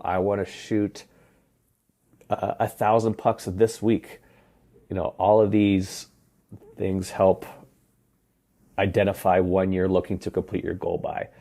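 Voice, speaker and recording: A young man talks through his hockey podcast in a deep, even voice that barely rises or falls. His tone is dark and mellow. He rambles casually and fills pauses with ums and you knows. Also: gravelly. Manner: relaxed, rambling, many fillers. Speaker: hockey coach and podcast host. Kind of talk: casual solo podcast talk.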